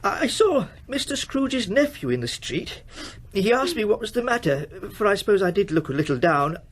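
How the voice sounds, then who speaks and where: A gentle, grieving father of a poor family in a radio drama. His voice is husky and swings widely in pitch, tender and halting as he talks to his loved ones. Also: sing-song. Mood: warm recounting.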